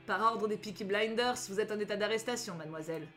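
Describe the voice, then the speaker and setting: A woman voicing a cool-headed male gang leader who speaks calmly and with cold politeness, as she reads a story aloud. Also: mid-range voice, fast, faint music behind, lightly acted. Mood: coolly menacing.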